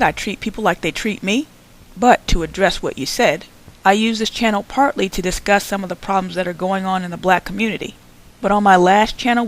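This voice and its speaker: Young woman, sarcastic, combative, mocking, response vlog rant, medium pitch. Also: poor audio. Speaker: channel host answering another vlogger.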